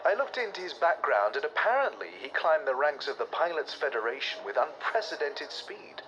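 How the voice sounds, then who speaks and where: An actor playing a cynical, scheming military official, calculating in a sci-fi game audio log. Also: male voice, a little high, big pitch swings, brisk, pushed and bright, dull audio. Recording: noisy radio-style audio log.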